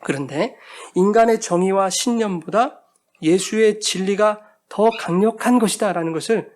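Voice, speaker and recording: Man, pastor, sermon, high voice, emphatic, rhetorical questions. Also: moderate pace.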